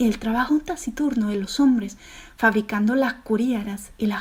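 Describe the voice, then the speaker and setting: A woman's put-on character voice, sing-song and fairly high in pitch, at a moderate pace. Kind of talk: audiobook reading of a novel. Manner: sing-song lilt.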